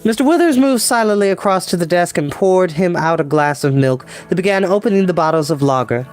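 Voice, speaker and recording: Male storybook narrator over music. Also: on the high side. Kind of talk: expressive audiobook narration.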